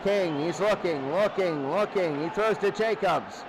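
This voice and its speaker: This man's high-pitched voice moves at a measured pace as he calls an American football game play by play on the radio. His brief running calls keep repeating downs and scores, with loud crowd noise filling the background.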